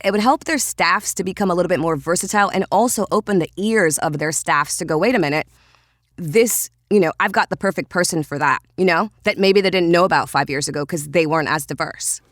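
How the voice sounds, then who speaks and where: A woman with a Trinidadian accent, chatting as a voiceover guest in an animated way, often restarting her sentences. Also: on the low side, no echo, studio quality. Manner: animated, quick, with frequent restarts and fillers. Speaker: voiceover artist and podcast guest. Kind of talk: casual interview talk.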